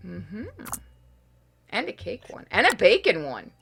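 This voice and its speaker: Bright-voiced woman reading a game aloud. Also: mid-range voice, wildly swooping pitch, unhurried, creaky, husky. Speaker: game streamer reading visual novel aloud. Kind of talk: casual let's play commentary and read-aloud narration. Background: game music.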